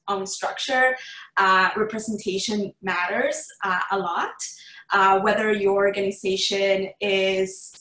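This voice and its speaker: A woman's voice: mid-range voice, fairly bright tone, reverberant, poor audio. A woman from Ecuador speaking as a panelist on a video call, hesitant, with many fillers and restarts. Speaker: panelist, student organizer. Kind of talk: online panel talk.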